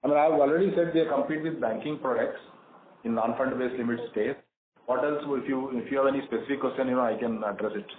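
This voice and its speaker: A man with an Indian accent answering investor questions on an earnings call as a company executive, in measured explanations. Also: medium pitch. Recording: phone-like conference line, echoey, clearly noisy.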